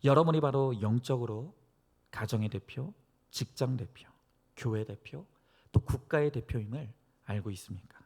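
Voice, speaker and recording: A male pastor preaching and praying earnestly to a congregation, exhorting them with phrases that swell from hushed to emphatic. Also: mid-range voice, normal speed, vocal fry, slightly rough. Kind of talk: sermon and prayer to a church congregation.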